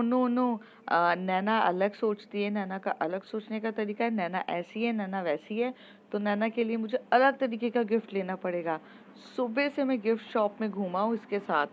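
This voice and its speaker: A woman's voice: mid-range voice, normal speed, dull audio, lightly acted. A woman voicing Rohit, a chatty young man who rambles and jokes. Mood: joking. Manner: rambling, joking.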